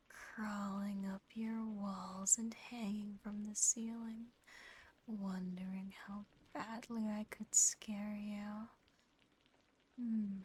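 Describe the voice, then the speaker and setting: Woman doing a possessive demon girl asmr, creaky whisper, super slow n teasing, right up on the mic. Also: medium pitch, a little hiss or hum, poor audio. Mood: smug, bored. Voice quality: soft, breathy whisper.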